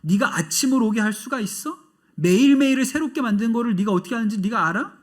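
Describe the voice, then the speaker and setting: A man preaching acts out a stern male God rebuking a man with rapid rhetorical questions. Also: very high-pitched, lively intonation.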